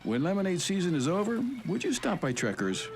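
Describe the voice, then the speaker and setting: Gravelly, wildly swooping, kindly fellow. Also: male voice, high-pitched, very animated, fairly quick, background noise, heavily acted. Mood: amiable. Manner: hesitant, earnest. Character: kindly, flustered, folksy middle-aged man of faith. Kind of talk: children's radio drama acting.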